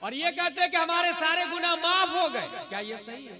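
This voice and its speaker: A man with an extremely high-pitched voice speaks at a moderate pace in a raised, projected voice over noticeable background noise. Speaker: Islamic scholar (mufti). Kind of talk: religious sermon at a public gathering. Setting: outdoor conference with PA system.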